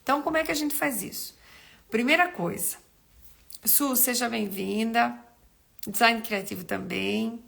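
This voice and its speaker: A woman's voice: on the high side, measured pace, vocal fry, long pauses, fairly bright tone. A middle-aged woman, recovering from a cold, hosting a casual live stream as a nutritionist and chatting with viewers in a rambling way. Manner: chatty, greets viewers by name, rambles with restarts. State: recovering from a cold, throat still rough.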